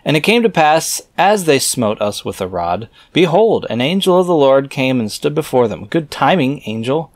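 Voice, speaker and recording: A man's voice: medium pitch, very animated, normal speed, few pauses, no room sound, clean studio sound. A man reading scripture aloud and breaking off for offhand, wry, skeptical comments, sometimes muttering as he thinks aloud. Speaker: reader and commentator.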